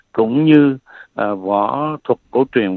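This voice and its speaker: At a very slow pace, a man of medium pitch speaks with ordinary pitch variation. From Vietnam, Phú Yên (central). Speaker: martial arts grandmaster. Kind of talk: interview.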